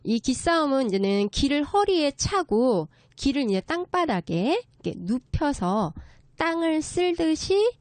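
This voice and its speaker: A woman giving a conversational lecture in a polite, explanatory way, often pausing to rephrase as she goes. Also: high-pitched, sing-song, a little mellow, dry recording. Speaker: guest lecturer, children's story writer.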